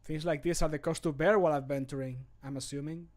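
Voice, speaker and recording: A man's voice: fairly high pitch, fairly even intonation, quick pace, darkish tone, close to an everyday voice. A man voicing a wry fantasy game adventurer, theatrical and projected, recorded close to the microphone. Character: wry male fantasy game adventurer cracking bear puns. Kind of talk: video game voice line takes. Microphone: close studio microphone.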